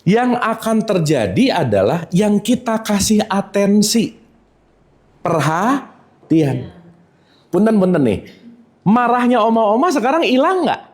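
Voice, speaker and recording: A religious teacher gives a relaxed spiritual lesson to a live audience. His voice swings widely up and down as he keeps tossing questions at them. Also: sits high, moderate pace. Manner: lively, keeps quizzing the audience.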